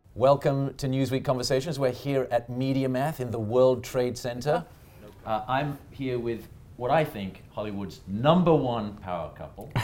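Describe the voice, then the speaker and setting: A man's medium-pitched voice with an English accent, a moderate pace and ordinary pitch variation. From England. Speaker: interviewer. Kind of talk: interview. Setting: on location at an event venue.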